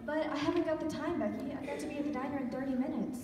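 Woman playing a gentle high-voiced mother. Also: racing, close to an everyday voice. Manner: gentle, agreeable. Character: gentle, encouraging mother of three children. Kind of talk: amateur stage radio play acting. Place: church stage before an audience. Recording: echoey church hall, distant, faint noise.

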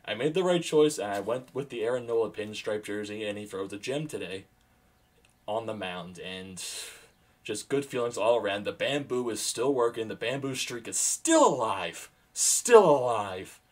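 Young man excitedly recapping a ball game. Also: fairly low pitch, normal speed. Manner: animated, rising to loud bursts on big plays. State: losing his voice, sore throat. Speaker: sports vlogger. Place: small room at home.

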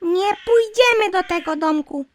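A woman's voice: very high voice, a little slow, a little hiss or hum. A woman voicing a stubborn little fairy-tale girl in a cartoon, snappy and exasperated.

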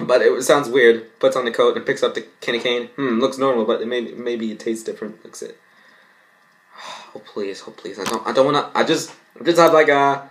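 A young man reads a story aloud and comments on it, haltingly, often tripping over his words. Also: mid-range voice, fairly bright tone. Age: young adult. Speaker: vlogger. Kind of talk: reading fan fiction aloud with mocking commentary. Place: small bedroom indoors.

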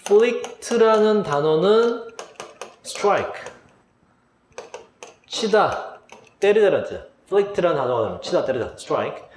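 Lively male teacher quizzing vocabulary. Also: sits high, drawn-out words, long pauses, a little hiss or hum. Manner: quizzing students, answering his own questions. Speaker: English teacher. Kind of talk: exam vocabulary lecture. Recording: echoey room.

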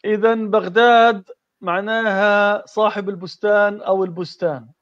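High-voiced man hosting a quiz. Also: fairly even intonation, moderate pace, a bit bright, dull audio. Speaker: quiz host reading answers.

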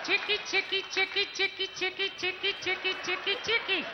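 A man voicing a squeaky ventriloquist dummy, a silly, eager puppet giving childlike, repetitive short answers in a stage act. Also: very animated, measured pace, heavy background noise, heavily acted. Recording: loud crowd and music, muffled broadcast audio.

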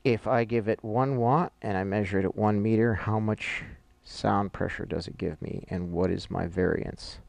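Low, gravelly man teaching. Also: steady tone, normal speed, darkish tone, no room sound. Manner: conversational, thinking aloud step by step. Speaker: audio-visual instructor. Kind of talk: informal instructional explanation while annotating charts.

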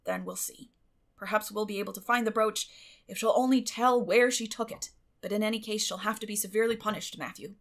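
A woman voicing a stern, suspicious middle-aged farm woman with a sharp, grim way of talking in an audiobook. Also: medium pitch, fairly quick, natural voice. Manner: sharp, grim, clipped scolding.

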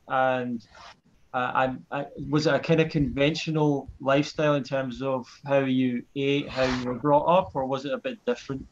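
Man in his thirties as laid-back podcast host, mid pitch, dull lo-fi video call sound. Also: a little hiss or hum. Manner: relaxed, halting with fillers. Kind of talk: casual interview.

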